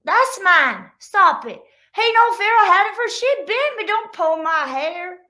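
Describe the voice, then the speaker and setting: Woman voicing shrill, squabbling puppy siblings. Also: big pitch swings, unhurried, pushed and bright, exaggerated voice. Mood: outraged. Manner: shrill, whining, protesting. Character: squabbling young sibling dogs, loud and whiny. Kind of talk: children's storybook read-aloud.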